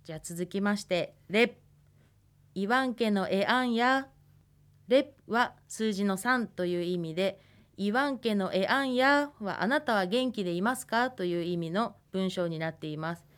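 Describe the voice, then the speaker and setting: Young woman lecturer, radio lesson. Patient, careful, slow model pronunciations, mid-pitched voice. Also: a bit bright. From Hokkaido, Japan. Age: 20s. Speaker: language lecturer.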